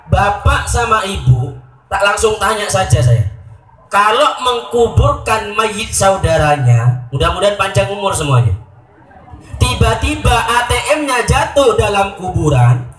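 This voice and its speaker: High-voiced animated male preacher, echoey PA. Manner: animated, acts out voices, chants takbir, asks audience questions. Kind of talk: lively village sermon with storytelling. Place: outdoor religious gathering with PA speakers. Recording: echoey PA sound from far off, faint music.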